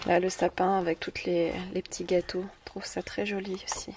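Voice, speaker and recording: A woman's voice: lowish voice, level tone, moderate pace. A woman with a French accent hosting a scrapbooking video, talking in a hesitant way with many fillers and repeated words. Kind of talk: casual show-and-tell of a craft haul. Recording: distant mic with faint noise.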